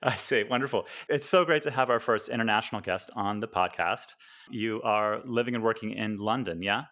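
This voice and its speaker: A man's voice: fairly low pitch, fairly quick, bright, forceful tone. American man hosting a friendly chat. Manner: friendly, laughs often, hesitant fillers. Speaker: podcast host. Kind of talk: casual interview chat.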